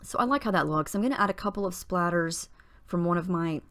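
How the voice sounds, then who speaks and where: Woman, husky morning voice, slightly low, casual chatty craft voice-over host. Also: fast. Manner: chatty and relaxed, with small fillers and restarts. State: husky morning voice, clearing her throat. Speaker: scrapbooking tutorial host.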